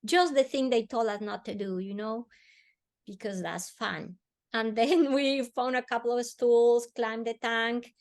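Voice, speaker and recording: Woman, fairly high voice. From Colombia. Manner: earnest, slowing and softening on emotional words. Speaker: podcast guest. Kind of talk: storytelling in a podcast interview.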